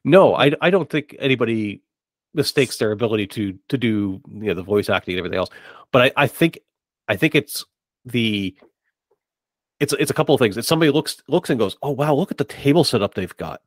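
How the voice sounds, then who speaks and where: Male podcast host, middle-aged, mid-pitched, conversational and halting, close dry recording. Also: lively intonation, no room sound. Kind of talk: casual discussion of tabletop gaming.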